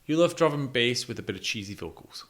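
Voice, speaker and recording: A man's voice: medium pitch, lively intonation, fast, fairly bright tone. A man co-hosting a music podcast in casual chat, often prompting with questions and short agreements. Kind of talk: casual album review chat.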